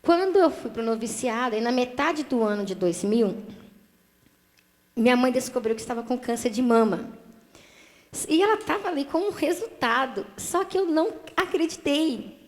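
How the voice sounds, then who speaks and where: A woman from Brazil speaks in a slightly high voice with a Brazilian Portuguese accent. She tells her personal testimony earnestly as a TV guest and acts out the lines she quotes. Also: expressive, moderate pace. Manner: earnest storytelling, acting out quoted dialogue.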